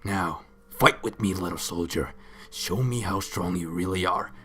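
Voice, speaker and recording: A man voicing a laconic, gruff soldier hero from a video game in a deadpan, unhurried way. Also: deep voice, soft background music. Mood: grim, commanding.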